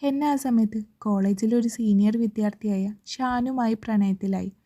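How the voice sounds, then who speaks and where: Dark-toned woman reading a romance story. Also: fairly high pitch, moderate pace.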